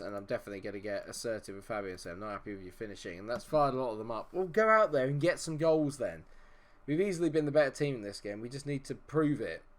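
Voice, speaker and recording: A mid-pitched man, a touch nasal from a cold, chatting through his football management game. He swings between hopeful urging and fed-up grumbling at his players and the game itself. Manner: exasperated, talks to the game and players. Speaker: gaming video host. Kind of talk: casual gameplay commentary.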